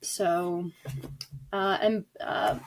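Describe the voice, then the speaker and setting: Woman, twenties, interview guest. Thoughtful, halting delivery, feeling for each phrase. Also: lowish voice, steady tone, background noise. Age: 20s. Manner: halting, searching for words. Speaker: guest author and audio drama creator. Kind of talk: reflective interview talk.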